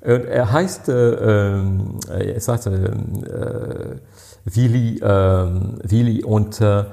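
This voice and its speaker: Halting older man with a French accent. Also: lowish voice, fairly even intonation, gravelly, warm tone. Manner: halting, searching for words, many fillers. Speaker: party president, guest. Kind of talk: interview answers, storytelling.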